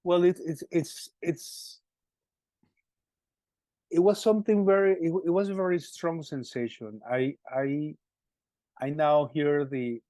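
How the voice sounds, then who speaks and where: A middle-aged man from Colombia, speaking English with a Colombian Spanish accent as a musician being interviewed. He talks haltingly, repeating words and restarting often. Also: on the high side, steady tone, a little mellow, no room sound. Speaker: musician guest. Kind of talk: interview answers.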